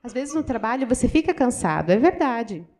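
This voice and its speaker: Lively high-voiced Brazilian woman interpreting a sermon. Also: brisk. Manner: animated, many rhetorical questions to the audience; acts out quoted everyday voices. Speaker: voice interpreter for a deaf pastor.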